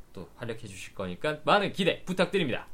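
An animated voice with very wide pitch swings and vocal fry. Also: man. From Gyeongsang region, South Korea. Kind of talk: casual chat with dialect demonstration. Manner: animated, laughs often.

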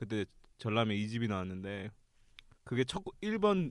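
Speaking at a fairly slow pace, a man talks with a fairly low pitch.

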